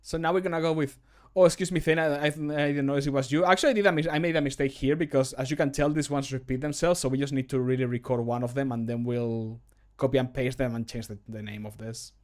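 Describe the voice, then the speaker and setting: Fast and with barely a pause, a middle-aged man offers casual livestream commentary in a steady, slightly mellow mid-range voice. He pokes fun at himself while recording game-mod voice lines, streaming close-miked from a small room at home.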